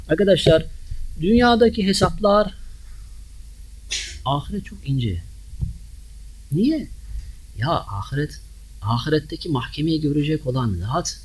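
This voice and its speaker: With a husky, mid-range voice, a man preaches a spirited Friday sermon in a mosque. He keeps tossing rhetorical questions to the worshippers.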